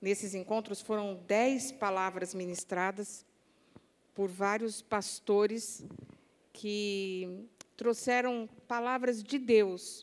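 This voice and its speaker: A woman talks very slowly, her fairly high voice keeping fairly even intonation. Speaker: pastor. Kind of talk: sermon.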